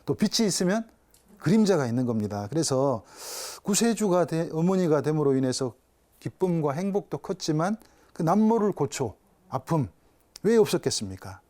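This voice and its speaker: A male Catholic priest delivers a spiritual talk in a somewhat high, mellow voice. His pitch rises and falls widely as he tells a story. He keeps putting rhetorical questions to his listeners. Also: big pitch swings, normal speed.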